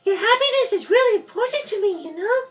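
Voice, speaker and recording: Squeaky excitable schoolgirl plush. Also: quick pace, loud music behind the voice. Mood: worried, pleading. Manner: pleading, excitable. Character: cheerful clingy high school girl, plush toy character.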